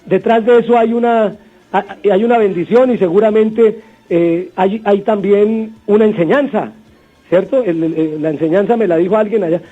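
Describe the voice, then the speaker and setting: Over a dull radio broadcast with faint music, a Colombian-accented male host delivers a motivational sermon at a moderate pace. His high voice sounds strained as he tells warm stories and keeps repeating his exhortations.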